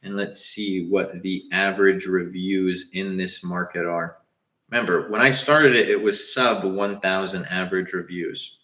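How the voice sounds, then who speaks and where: A man's voice: low voice, steady tone, measured pace, pushed and bright, roomy sound, low-quality recording. A young man from Southern California with a Southern Californian accent, hosting a casual livestream and talking loosely and straight to his viewers. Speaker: livestream host.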